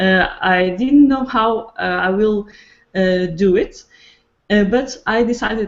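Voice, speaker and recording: A woman's fairly slow speech at medium pitch, with a non-native accent and ordinary pitch variation. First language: not English. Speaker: online entrepreneur. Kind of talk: casual chat. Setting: video call. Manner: halting.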